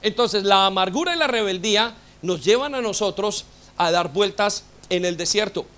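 A man's voice: sits high, animated, normal speed, a bit bright, clean tone. A man preaching a sermon as a pastor, impassioned and full of rhetorical questions.

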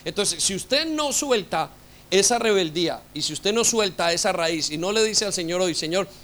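High, bright-voiced impassioned male preacher. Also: animated, moderate pace. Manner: impassioned preaching with rhetorical questions. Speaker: pastor. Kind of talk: sermon.

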